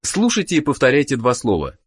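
A narrator giving calm, instructive prompts to learners in a language course. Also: medium pitch, fast talker, husky.

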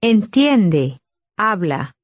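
A woman speaking slowly and clearly as the model speaker in a language course, for listeners to repeat. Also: medium pitch, sing-song, no echo. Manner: slow, clearly articulated. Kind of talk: slow model pronunciation for repetition.

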